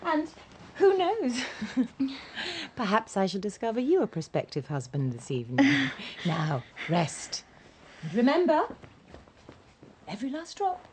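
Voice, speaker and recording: A woman's voice: on the high side, wildly swooping pitch, measured pace, pauses often, a little mellow, a little hiss or hum. A falsely sweet stepmother. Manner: honeyed, coaxing, insistent. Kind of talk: radio drama acting.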